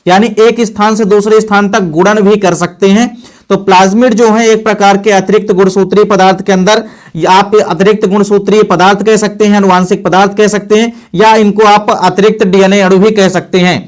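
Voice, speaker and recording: High-voiced teacher quizzing himself. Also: male voice, steady tone, moderate pace. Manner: repeats points, asks and answers own questions. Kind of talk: board lesson.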